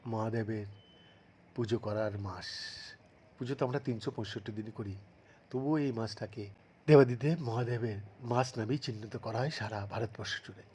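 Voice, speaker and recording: A man presenting a news report in a formal, measured newsreader style. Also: mid-range voice, a little mellow, husky. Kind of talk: news reading.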